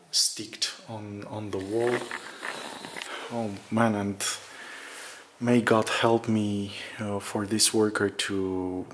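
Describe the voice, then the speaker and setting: A man with a slightly low voice talks through a casual, unscripted vlog. His delivery is very slow and halting, and he often searches for the next word as he narrates from behind the camera. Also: a bit bright, a little hiss or hum. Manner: hesitant, halting, searching for words. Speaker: vlogger showing an apartment renovation. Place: indoors in an empty apartment under renovation.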